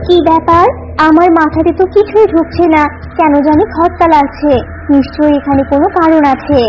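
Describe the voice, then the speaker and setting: Woman as a high-voiced suspicious swan. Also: steady tone, fairly quick, lo-fi sound, slight background noise. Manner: musing. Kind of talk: animated fable character acting.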